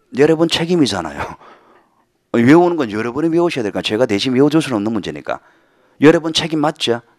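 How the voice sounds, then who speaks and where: The sound is dry and close, without echo. A man speaks very fast with lively intonation. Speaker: exam prep lecturer. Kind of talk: lecture. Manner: animated.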